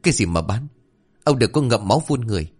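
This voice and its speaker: A man voicing a desperate, furious young widow who cries out high and shrill. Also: expressive, fast talker, darkish tone, husky, faint music behind. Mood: accusing.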